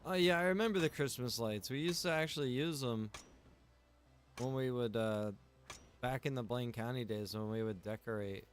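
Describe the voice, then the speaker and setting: A man's voice: medium pitch, normal speed, a little hiss or hum. A man chatting casually as he streams a game, informal and muttering to himself with the odd mild grumble. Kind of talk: casual chat while gaming.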